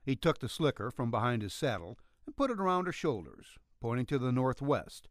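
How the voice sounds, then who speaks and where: A man reads a western tale in a mid-pitched voice. His narration moves up and down in pitch with plenty of variation. The recording is very dry, with no room around it. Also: big pitch swings, brisk, dry recording. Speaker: audiobook narrator. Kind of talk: scripted narration of a western story.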